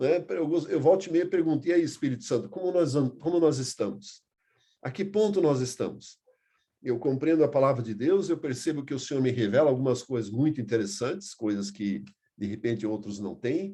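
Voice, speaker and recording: This man's tone is dark and mellow, at a medium pitch. He talks at a fairly quick pace with lively intonation. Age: 60s. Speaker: pastor and book author. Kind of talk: teaching commentary on his book. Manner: halting, frequent repetitions.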